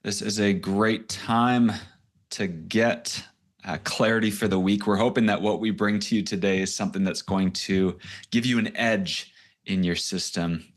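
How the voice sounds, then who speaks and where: Rambling low-voiced male coach. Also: fairly even intonation, unhurried. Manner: rambling, self-deprecating, loose and chatty. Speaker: host and coach. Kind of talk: casual online coaching session.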